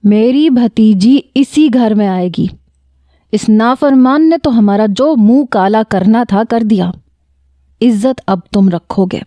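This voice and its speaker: A woman's voice: a little high, mellow, dry recording, lightly acted. A woman voicing a hot-tempered older father who scolds and commands. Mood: scolding.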